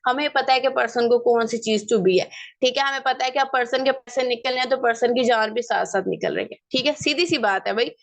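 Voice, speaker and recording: A young woman, running an online sales training over a video call, lively and coaxing, mixing in English phrases. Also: on the high side, brisk, creaky. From Pakistan. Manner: lively and coaxing, mixes in English phrases, keeps asking "theek hai".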